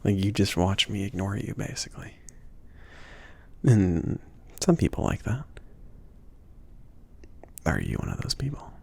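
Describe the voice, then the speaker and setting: Breathy, whispering man as an easygoing male mage. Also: sits low, huge pitch swings, measured pace, pauses often, full character voice. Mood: shy, playful. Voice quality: breathy, half-whispered, gravelly. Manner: hesitant, rambling, gently teasing. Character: soft-spoken, bashful, easygoing male mage shopkeeper, indulgent. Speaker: ASMR roleplay performer. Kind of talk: intimate ASMR roleplay.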